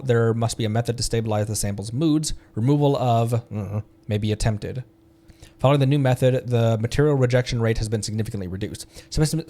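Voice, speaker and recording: A man streaming a game live, reading text aloud haltingly and adding his own commentary. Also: medium pitch, warm tone.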